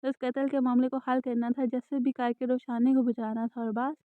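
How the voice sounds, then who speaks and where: A woman narrating a romance novel in a soft, even storytelling manner. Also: high voice, dry recording. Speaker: audiobook narrator. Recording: dry, tinny phone-like sound.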